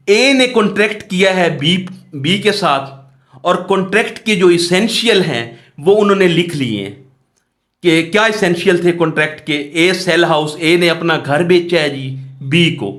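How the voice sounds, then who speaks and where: Male lecturer, South Asian accent, fairly high voice, very slow delivery, explanatory, repetitive, reads clauses then explains. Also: fairly bright tone. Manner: explanatory, repetitive, asks and answers own questions. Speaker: law lecturer. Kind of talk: exam lecture, reading statute in English and explaining it.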